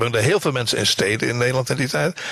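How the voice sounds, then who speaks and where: Heard over noticeable background noise, a man is speaking. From Netherlands. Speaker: newsletter writer, local history enthusiast. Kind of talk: interview. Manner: halting, many fillers.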